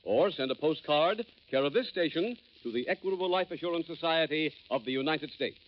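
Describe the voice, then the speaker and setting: A man's voice: on the high side, fairly quick. A man making the program announcements and sponsor messages in 1940s radio style, heard from an old broadcast disc recording. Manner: emphatic, lively announcer delivery. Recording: dull old broadcast transcription. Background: music.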